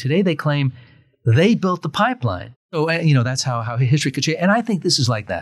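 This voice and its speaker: In an American accent, a man talks with lively intonation and a somewhat breathy voice on a very clean recording with a silent background. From California, Ventura County. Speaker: newsletter editor and journalist. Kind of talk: interview.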